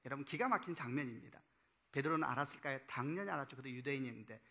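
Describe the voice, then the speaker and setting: A man's voice: mid-range voice, rapid-fire, sharp tone. A middle-aged man preaching a sermon in a church, telling a story from home and asking the congregation questions, chuckling now and then. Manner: laughs at his own stories. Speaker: pastor. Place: church sanctuary.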